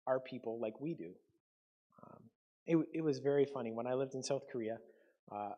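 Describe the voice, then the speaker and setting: A man's voice: fairly high pitch, darkish tone, breathy edge. A man from Canada preaching a conversational sermon to his congregation, with frequent ums and self-corrections. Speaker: pastor.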